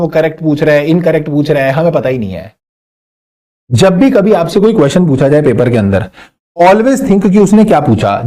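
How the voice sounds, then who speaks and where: Animated male law teacher with a mellow voice. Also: on the high side. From Punjabi family. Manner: lively and conversational, reads question text slowly, teasing asides. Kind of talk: exam-prep lecture, mixing Hindi and English.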